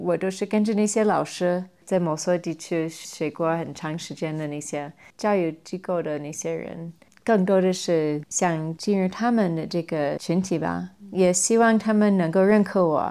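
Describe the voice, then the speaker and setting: In a very clean recording with a silent background, a woman with an English accent speaks at a fairly slow pace with hardly any pauses, her fairly low pitch carrying a dark, mellow tone and ordinary pitch variation. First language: English (speaking Chinese). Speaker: anthropologist. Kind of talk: casual chat. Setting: late-night recording at a lake.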